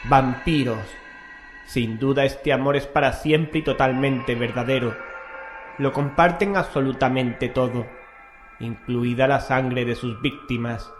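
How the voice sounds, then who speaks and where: A male horror radio host from reads his scripted introductions. His pitch is average for a man, and music plays underneath. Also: steady tone, unhurried. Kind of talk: scripted horror show presenting.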